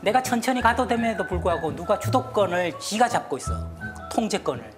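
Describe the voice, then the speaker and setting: A woman giving a lively talk show lecture, acting out little scenes and having the panel repeat her lines. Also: mid-range voice, fairly quick, music in the background. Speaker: guest lecturer on stress.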